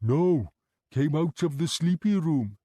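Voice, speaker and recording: A man's voice: a little high, animated, slow pace, warm tone, dry recording, studio quality, voice pushed up. A man voicing a childlike adult male care home resident who speaks in short, blunt, mischievous phrases. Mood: cheeky.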